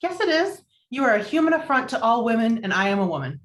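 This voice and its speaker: Actress as high-voiced indignant friend, roomy echo. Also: female voice, very animated, quick pace. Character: frank, easily indignant single woman, opinionated friend. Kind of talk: virtual table read of a film comedy. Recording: roomy, echoing home recording.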